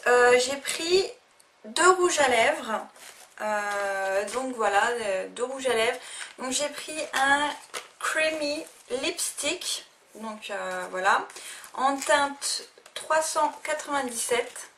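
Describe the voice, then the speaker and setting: A woman's voice: a little high, lively intonation, slow pace, a bit bright. A young woman casually reviewing makeup she bought, talking hesitantly with many fillers and restarts. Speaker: beauty vlogger. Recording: faint noise, a little distant from the mic.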